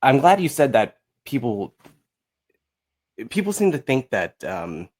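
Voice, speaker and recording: Speaking a little slowly and somewhat mellow, a thirtysomething man uses a medium-pitched voice with big swings in pitch. He's a musical writer on a podcast, rambling through casual conversation and regularly quoting himself and others as dialogue.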